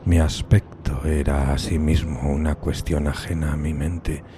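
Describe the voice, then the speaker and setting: An actor playing a tormented, solitary outcast in a gothic horror audiodrama, speaking in a brooding, solemn, halting dramatic way. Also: male voice, a bass voice, level tone, background noise. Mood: desolate, brooding. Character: tormented solitary outcast man recalling a decayed gothic castle. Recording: music bed behind the voice.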